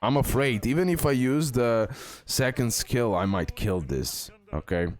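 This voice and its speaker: A man giving casual, excitable gameplay commentary, repeating words and talking straight to his viewers. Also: mid-range voice, measured pace. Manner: excitable, repetitive, addresses viewers directly. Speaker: gaming content creator, host. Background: music.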